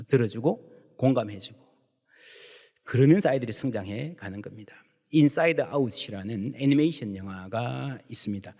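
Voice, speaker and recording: Animated male pastor preaching in a reverberant church. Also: mid-range voice, creaky. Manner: animated preaching that acts out quoted voices. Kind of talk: sermon. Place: church sanctuary. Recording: long church hall reverb.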